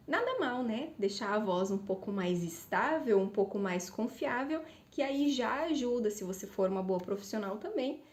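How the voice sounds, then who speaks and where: A woman's voice: on the high side, a little mellow. Woman speech therapist explaining in an echoey room. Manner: explanatory, conversational, frequent tag questions. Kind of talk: voice coaching lesson.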